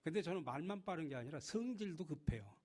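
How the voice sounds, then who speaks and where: A middle-aged man from Chungcheong, South Korea, preaching a sermon to his congregation with a lively, humorous, direct manner. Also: on the high side, fast, breathy edge. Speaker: pastor. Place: church.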